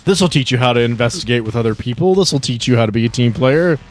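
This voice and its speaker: Male game master, mid-range pitch, improvised tabletop narration, rules calls, soft background music. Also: lively intonation, fast. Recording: music playing behind the voice.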